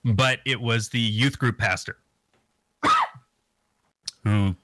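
A man's voice: medium pitch, very slow, bright, forceful tone, no room sound. A man casually recapping a movie plot on a podcast, rambling and joking crudely. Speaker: podcast co-host. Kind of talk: casual movie review chat.

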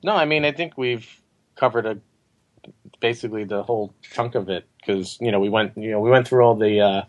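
A man with a fairly low voice talks loudly and with energy as a podcast guest. He sits a little back from the microphone, so his voice carries more of the room. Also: brisk, highs cut off. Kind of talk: casual film discussion.

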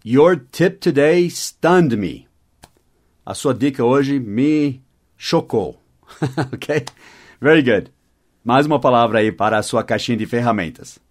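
A man giving a short podcast lesson on English vocabulary, in a voice of middling pitch. He spells each word out letter by letter and slows down for the example sentences. He keeps checking in with his listeners as he explains. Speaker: English teacher and podcast host.

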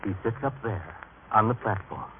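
An actor playing an older, knowing temple-goer who speaks in a measured, confiding way in a vintage radio drama. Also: male voice, lowish voice, lightly acted. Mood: grave, confiding. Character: older, knowing man hushing others in temple. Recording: tinny, noisy old radio recording.

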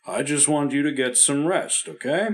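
Male actor as a reassuring radio-drama doctor, gently firm with his patient; voice a touch high. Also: moderate pace, lightly acted. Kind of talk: 1950s radio drama acting.

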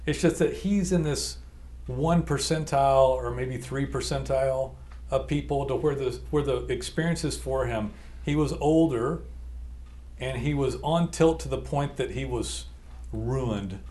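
A man, co-hosting a relaxed podcast. He rambles through a story, mocks himself and often restarts his sentences. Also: mid-range voice, unhurried. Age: 40s. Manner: rambling, self-mocking, restarts and laughs. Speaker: podcast co-host. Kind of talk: casual business podcast chat.

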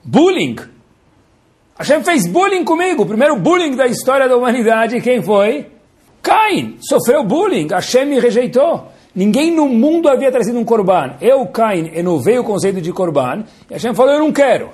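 A man's voice: very high voice, big pitch swings, normal speed, darkish tone, voice pushed up. A man voicing a sulking, aggrieved young man who complains indignantly about being passed over for his brother. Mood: aggrieved whining.

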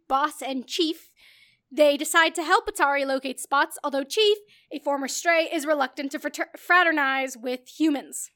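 A woman co-hosting a podcast, giving her opinion on a film in a casual, animated way, often trailing off and restarting her sentences. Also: high-pitched. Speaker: podcast co-host.

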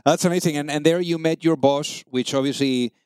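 A man's voice: a little high, brisk, a little mellow, clear, resonant tone, no room sound. A man hosting a business podcast, introducing his guest and asking questions with enthusiasm and frequent restarts. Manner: enthusiastic, repeats words when restarting. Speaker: podcast host. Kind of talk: conversational interview.

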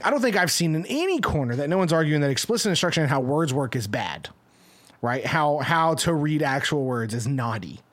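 A man with a somewhat high voice co-hosting a podcast. He argues his points with animation and keeps checking in with tag questions. The tone stays casual and conversational throughout. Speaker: podcast co-host.

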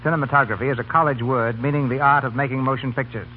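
A man's voice: mid-range voice, steady tone, fast talker, narrow, tinny audio, a little hiss or hum. A man hosting a 1930s radio broadcast in a formal, polished, scripted style. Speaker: host.

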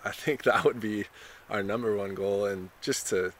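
Young male surfer type, easygoing and chatty; lowish, bright voice over light hiss. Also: normal speed. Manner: laid-back surfer talk, lots of "you know" and "like". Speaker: contestant being interviewed. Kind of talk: casual interview.

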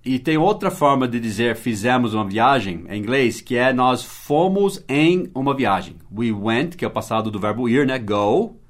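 A man's voice: mid-range voice, expressive, moderate pace, few pauses. A man from Brazil teaching English in a podcast lesson, explaining patiently, spelling words letter by letter and often checking that the listener follows. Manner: asks frequent rhetorical checks.

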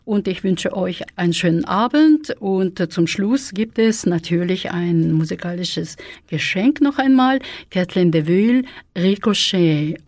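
A woman's voice: on the low side, animated, a little slow, darkish tone, no echo. A woman hosting a community radio show in a hesitant way with many fillers. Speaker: radio host.

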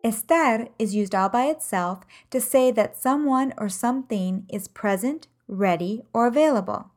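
A woman teaching a language lesson podcast, reading example sentences in measured, carefully enunciated phrases. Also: a little high, a little mellow, faint music behind. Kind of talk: slow, clear podcast lesson.

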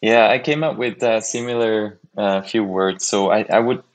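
A man's voice: fairly low pitch, steady tone, normal speed. A man from Switzerland who leads a startup incubator, speaking eagerly as a podcast guest and often repeating words as he goes. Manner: eager, repeats words while finding them. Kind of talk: casual interview answers.

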